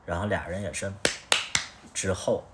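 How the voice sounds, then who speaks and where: A man's voice: deep voice, a little slow, very noisy. A young man telling a story on a casual livestream, blunt and rambling, swearing often. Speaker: livestream host.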